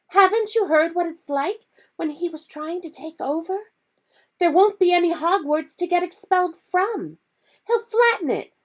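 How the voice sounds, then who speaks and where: A woman's voice: high-pitched, pitched above the performer's own voice. A woman reading aloud voices a determined young teenage boy who speaks with urgent, impassioned force. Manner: urgent, impassioned, rising to shouting.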